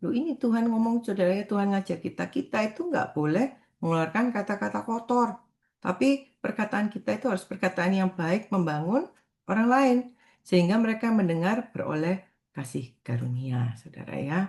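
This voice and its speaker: A woman's voice: medium pitch, animated, moderate pace. A middle-aged woman evangelist giving a morning prayer sermon, talking to her listeners in a conversational way and often calling them brothers and sisters. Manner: warm conversational preaching, often addresses listeners as "saudara".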